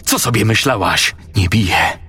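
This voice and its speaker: A man voicing a brave, sharp-tongued young girl who fires off blunt questions. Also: on the low side, animated, normal speed, husky, heavily acted. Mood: urgent.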